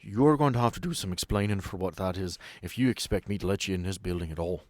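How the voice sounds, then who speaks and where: A man's voice: low-pitched, fast, darkish tone, no room sound, lightly acted. A man voicing a stern, protective female sanatorium caretaker in a tabletop game, speaking in a formal, wary way. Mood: alarmed, accusing.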